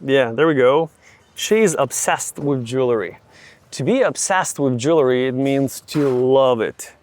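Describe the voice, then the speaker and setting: A young man with a Ukrainian accent, vlogging outdoors while walking city streets, chatting casually and slowly explaining English words. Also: mid-range voice, a little mellow. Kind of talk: casual travel vlog with teaching asides.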